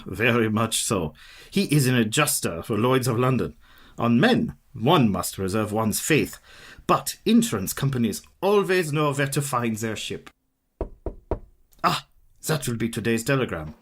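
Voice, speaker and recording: An actor playing a learned elderly professor who hunts a vampire, speaking in a formal, lecturing, old-fashioned way in a radio play. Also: male voice, medium pitch, very animated, measured pace, slightly rough. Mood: grave, lecturing. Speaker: mentor leading the hunters. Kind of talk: community radio play acting.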